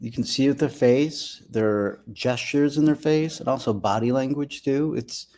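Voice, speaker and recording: A man's voice: medium pitch, normal speed, darkish tone. An American man talking as an interview guest, thinking aloud and often repeating words as he forms his ideas. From United States. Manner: thoughtful, repeats words while forming ideas. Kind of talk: casual conversation.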